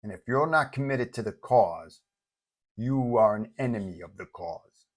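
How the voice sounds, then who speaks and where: A man's voice: on the low side, animated, unhurried. Man voicing a menacing, cold supervillain henchman. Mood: cold, threatening. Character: menacing electric-powered villain minion, cold and purposeful.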